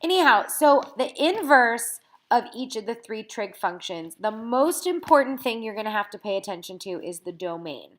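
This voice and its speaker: A woman's voice: on the high side, very animated, moderate pace, few pauses, fairly bright tone. A woman teacher with a congested, sniffly voice, patiently explaining a recorded math lesson over her scanned notes and checking in with "okay?" as she goes.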